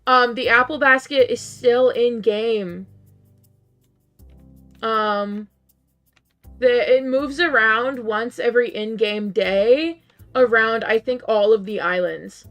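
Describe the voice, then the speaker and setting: Slightly hoarse woman streamer, chatty. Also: a little high, takes it slowly, long pauses, fairly bright tone, muffled recording, faint music behind. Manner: chatty, laughs often, many "um" fillers. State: slightly hoarse, losing her voice. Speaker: game streamer. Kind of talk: casual live-stream chat.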